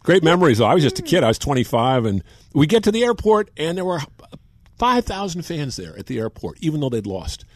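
A man in his sixties, a longtime sports broadcaster, telling animated anecdotes in casual chat. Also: on the high side, a little fast. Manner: animated anecdotes, acts out quotes.

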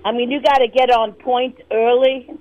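A woman's voice: a little high, flat delivery, moderate pace, dry recording, muffled recording. A woman co-hosting a radio show, chatty and enthusiastic toward the guest. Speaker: radio co-host. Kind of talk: radio interview.

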